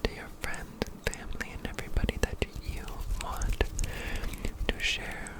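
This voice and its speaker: A man whispering a gentle, earnest ASMR pep talk, offering encouraging affirmations as a creator speaking to viewers. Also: moderate pace, rough recording.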